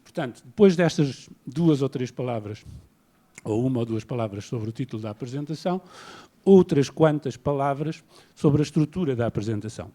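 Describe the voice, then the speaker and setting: Man, european portuguese accent, university lecturer, warm dark tone, measured self-deprecating delivery. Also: mid-range voice, expressive. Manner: measured, self-deprecating, paces around while speaking. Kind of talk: academic lecture. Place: lecture hall.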